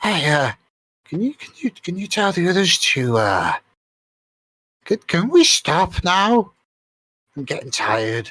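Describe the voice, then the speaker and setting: In a put-on character voice at a middle pitch, someone speaks quietly and fairly slowly, with long, frequent pauses. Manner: hushed, sneaky.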